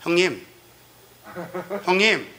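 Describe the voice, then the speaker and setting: Male pastor, high and lively voice, very bright and forceful, leads call-and-response, soft asides to shouting. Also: slow, slight background noise. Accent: Chungcheong Korean. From Chungcheong, Korea. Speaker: pastor teaching a class. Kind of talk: sermon-style Bible class.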